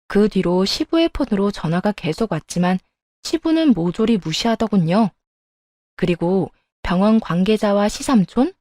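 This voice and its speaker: A woman narrating a personal family story in a calm, scripted storytelling voice. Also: mid-range voice, no echo, studio quality.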